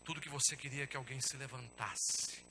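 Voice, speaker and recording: A man preaching a sermon and telling a personal testimony, with dramatic storytelling that swings from hushed to shouting and repeatedly addresses the congregation as brothers. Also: medium pitch, steady tone, brisk, a little hiss or hum. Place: church.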